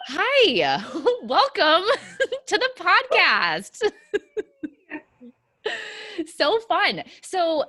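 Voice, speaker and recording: A woman hosting a podcast, reading a scripted intro and then chatting with a guest, upbeat and quick to laugh. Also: very high voice, wildly swooping pitch, sharp tone, dry recording. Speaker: podcast host.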